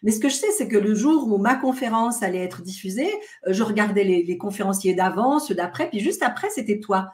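A woman's voice: medium pitch, animated, a little fast, a little mellow. A middle-aged woman with a light Swiss French accent, talking as a guest over a video call, often hesitating and restarting phrases. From France, of American parents. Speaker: guest, detox retreat organizer. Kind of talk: casual video-call interview. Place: home room.

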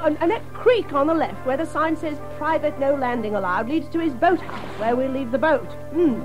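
An actor playing a kindly, sensible gentleman water rat, affable and chuckling, in a children's audio drama. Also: very high-pitched, normal speed, over music, rough recording.

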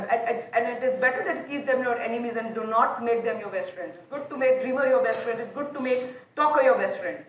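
A high-voiced woman with an Indian accent gives an animated motivational talk to an audience in a large auditorium. She keeps asking the crowd questions and repeats her words as she goes. Her voice rings through a roomy hall and sounds a little far from the mic. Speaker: motivational speaker. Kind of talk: live conference talk. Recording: echoey hall, heard from off.

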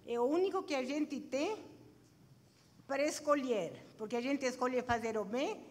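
A woman in her sixties from Chile with a Chilean Spanish accent, speaking deliberately in short phrases as a guest on a panel. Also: high voice. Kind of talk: personal account in an onstage interview. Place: stage in a conference hall with seated audience. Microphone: handheld microphone. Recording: reverberant hall, background room noise.

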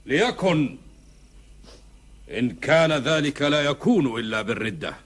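An actor playing a proud, defiant middle-aged tribal rebel in a historical epic drama, declaiming in formal Arabic with challenging rhetorical questions. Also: male voice, mid-range voice, big pitch swings, a little slow, husky.

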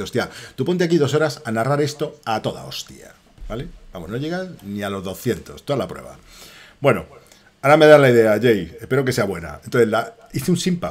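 A middle-aged man with a Spain Spanish accent tells rowdy stories on a gaming stream, swearing and joking throughout. His voice sits mid-range in pitch, and the room around him rings with echo. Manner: loud, swearing, jokey anecdotes. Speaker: streamer and voice actor. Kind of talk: casual livestream storytelling. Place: echoey room.

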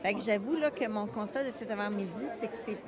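A woman's voice: medium pitch, quick pace. A woman in her sixties with a Quebec French accent, answering a vox pop at a conference, hesitant and thinking aloud. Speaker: conference participant. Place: busy hotel conference hall. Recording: crowd chatter behind.

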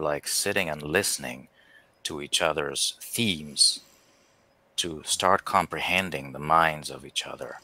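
A middle-aged man in a casual, reflective discussion on a video call, halting and thoughtful, leaning on key words. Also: a bass voice, sharp tone. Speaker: guest on a livestream discussion. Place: indoor room at home, on a video call. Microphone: headset on a video call.

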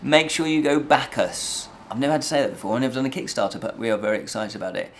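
A middle-aged man with a medium-pitched voice talks fast as host of a fantasy review show, filmed on a small indoor set with a draped backdrop. His review to camera is casual and rambling, full of repetition and rephrasing.

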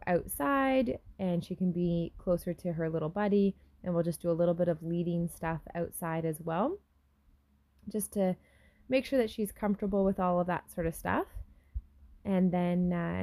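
Young woman horse trainer, mellow lower voice, relaxed casual voice-over. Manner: relaxed, explanatory, many fillers and restarts. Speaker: horse trainer and channel host. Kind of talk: casual voice-over narration of farm footage.

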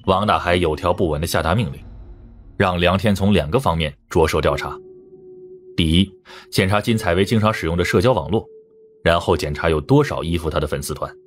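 Very deep-voiced male audiobook narrator. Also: a little fast. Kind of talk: scripted first-person crime novel narration. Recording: music under the voice. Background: background music.

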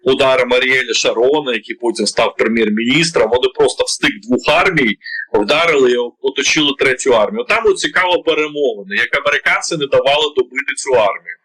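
A man with a Ukrainian accent delivering heated political commentary. His voice is bright and forceful, and he keeps firing indignant rhetorical questions between hesitant filler sounds. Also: mid-range voice, lively intonation, fast, low-quality recording.

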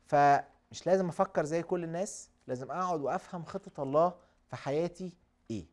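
A man with an Egyptian Arabic accent, a guest on a live talk show, explaining points calmly. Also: fairly high pitch, quick pace. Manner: calm, explanatory. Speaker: guest speaker.

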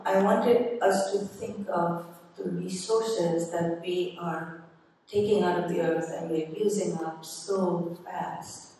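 A woman's voice: fairly low pitch, dark tone, slight background noise. A woman whose first language is Urdu, an artist speaking earnestly and reflectively on a gallery panel into a handheld mic. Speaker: exhibiting artist. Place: large museum gallery, indoors. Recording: echoey gallery, distant mic.

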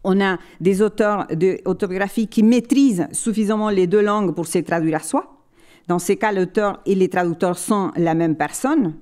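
This woman's fairly low, dark-toned voice carries an academic lecture at a library conference. She explains things in a measured way, frequently stopping to find the right word.

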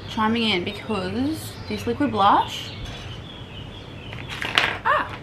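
A young woman in her twenties chatting to her viewers in a casual travel vlog, bubbly and fast to laugh, speaking to a camera on a balcony. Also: mid-range voice, noisy background. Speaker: vlogger. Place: hotel balcony. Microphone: camera on a tripod at table.

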